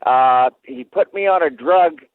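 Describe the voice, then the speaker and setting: A man's voice: a little high, a little slow. Man calling in on an old flip phone. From Alberta, Canada. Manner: plain-spoken, hesitant with frequent uh fillers. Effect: old flip phone call. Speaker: caller. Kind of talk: casual phone-in storytelling. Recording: tinny dry phone line.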